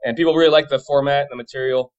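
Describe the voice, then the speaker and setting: Man, 30s, from Boston, casual interview guest, very quick informal talker. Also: medium pitch, fairly even intonation, highs cut off. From Boston area, United States. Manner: chatty, informal. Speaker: interview guest, pub trivia company owner.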